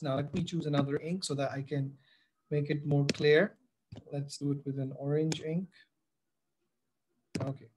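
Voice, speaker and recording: Through poor audio, a fairly high-pitched man with a South Asian accent explains a lesson over a screen recording. He's a biology teacher addressing his pupils directly, moving back and forth between English and Hindi-Urdu.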